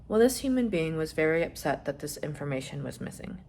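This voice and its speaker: A young trans man chatting casually in a vlog, rambling with lots of fillers and some swearing, his voice rising when he gets excited. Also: a little fast, slight background noise. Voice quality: voice still fairly high, rising when excited. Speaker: vlogger.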